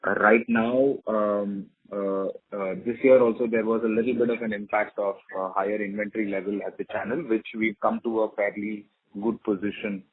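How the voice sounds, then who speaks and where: A man answering as a company executive on an earnings call, choosing words haltingly and deliberately over a phone line. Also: fairly low pitch, flat delivery, husky. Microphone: conference call phone line. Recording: narrow phone-like conference line.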